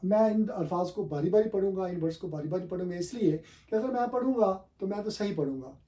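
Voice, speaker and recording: A man's voice: high-pitched, dark tone. A man with an Urdu-speaking South Asian accent teaching English pronunciation in a classroom style, repeating and stressing the correct forms and spelling words out letter by letter.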